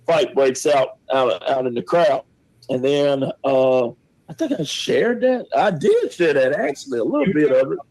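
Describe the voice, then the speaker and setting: A man calling in to a show, telling stories casually in animated, colloquial and boastful slang. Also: medium pitch, normal speed, no echo, rough recording. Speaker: caller to the show, a ring announcer. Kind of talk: casual chat and storytelling. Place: on a call to a show.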